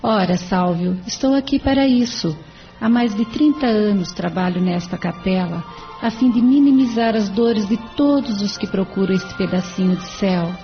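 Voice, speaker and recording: An actress playing a kindly female spirit who watches over a chapel, speaking with warm devotion. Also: medium pitch, normal speed, soft background music, natural voice. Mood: devoted. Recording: dull lo-fi radio recording.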